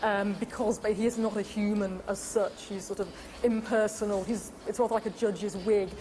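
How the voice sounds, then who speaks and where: A woman's voice: medium pitch, fairly even intonation, moderate pace, mellow, a little hiss or hum. A woman in a documentary interview, explaining in a reflective way.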